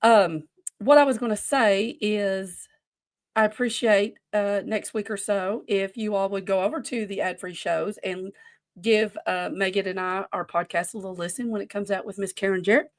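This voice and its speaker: A woman's voice: mid-range voice, steady tone, normal speed. Rambling woman in her forties chatting casually. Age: 40s. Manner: rambling, easily sidetracked. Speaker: podcast co-host running a wrestling quiz. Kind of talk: casual chat.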